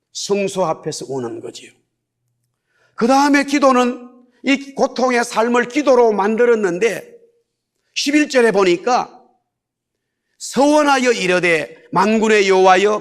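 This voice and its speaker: A man's voice: sits high, animated, moderate pace, pauses often. A man pastor preaching a sermon in church, stressing key words by repeating them and having the congregation repeat lines after him. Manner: leads the congregation in repeating phrases aloud. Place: church sanctuary.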